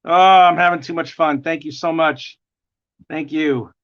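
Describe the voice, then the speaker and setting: A man with a gravelly voice and a New York accent, chatting in a rambling way while he draws on a livestream. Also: on the high side, fairly even intonation, unhurried, a bit bright. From United States. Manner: chatty, rambling, chuckling often. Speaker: artist livestreaming a drawing session. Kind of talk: casual chat while drawing. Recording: dull lo-fi stream audio.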